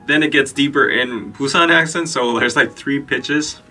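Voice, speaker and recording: A young South Korean man hosts a live podcast stream, chatting casually and reading news, full of fillers and restarts. His mid-range voice is sharp in tone and delivered at normal speed, picked up from a distance with faint music in the background.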